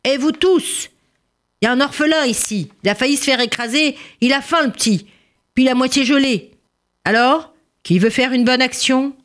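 A woman's voice: on the high side, moderate pace, pitched above the performer's own voice, natural voice. A woman voicing a big black-bearded man who scolds a lost child kindly and rallies a room to help. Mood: concerned, rousing.

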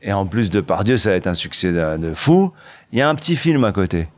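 A middle-aged man as a podcast guest, telling stories in a lively, halting way with bursts of excitement. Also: low voice, dry recording. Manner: animated storytelling, halting restarts, bursts of excitement. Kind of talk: candid interview talk.

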